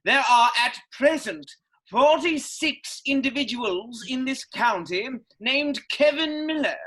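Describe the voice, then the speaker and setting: Comedy villain , played by a performer: pompous mansion host, sharp tone, unhurried grandiose menace. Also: high-pitched, lively intonation, heavily acted, poor audio. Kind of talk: staged reading of comedy sketch.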